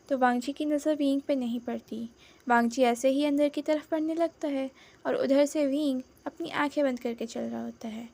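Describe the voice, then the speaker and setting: A woman's voice: high-pitched, darkish tone. A young woman narrating her own fan fiction in a chatty, dramatic storytelling manner.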